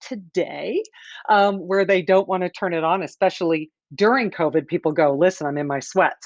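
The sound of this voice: A woman's fairly low voice at a moderate pace, in a dry, close sound with no echo.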